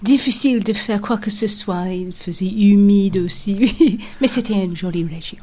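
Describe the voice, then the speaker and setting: Young english woman chatting in french on radio, english accent, relaxed dark-ish tone, feels around for words. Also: medium pitch, moderate pace. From England, Brighton on the south coast. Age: young adult. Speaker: guest, singer and musician. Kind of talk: radio interview chat.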